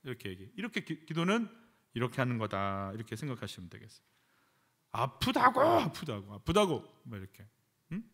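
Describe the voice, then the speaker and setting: A man's voice: fairly low pitch, big pitch swings, fast, a bit bright. A man, a pastor, preaching a sermon in a church, acting out prayers with emphatic repetition. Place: church sanctuary.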